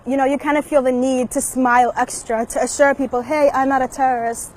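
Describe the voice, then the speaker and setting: A young woman who speaks in a reflective, measured way about her personal choices. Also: high voice, level tone, a little mellow, a little hiss or hum, poor audio. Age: young adult. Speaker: university student interviewee.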